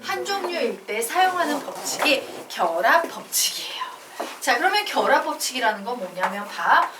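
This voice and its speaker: A woman teaching a math lesson, who keeps asking questions and answering them herself in a lively way. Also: sits high, moderate pace. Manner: animated, asks and answers her own questions. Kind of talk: classroom lecture. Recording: echoey room from far off with noise.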